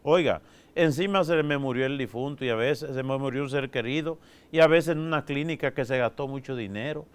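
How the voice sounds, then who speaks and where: A Catholic priest with a Dominican accent, preaching in a folksy, colloquial way that keeps turning to the listeners with quick asides. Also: male voice, mid-range voice, smooth. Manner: lively, folksy, peppers speech with "¿verdad?" and "oiga".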